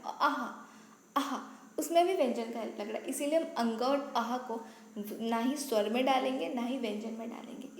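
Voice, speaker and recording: A woman with a slightly high voice teaches a basic grammar lesson for competitive exams, explaining point by point and checking in often. She admits her pronunciation may slip. The sound is roomy and echoey, with faint noise behind her. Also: a little mellow. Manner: explains step by step with frequent checks like "ठीक है"; apologizes for her own imperfect pronunciation. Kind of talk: online exam-prep lesson.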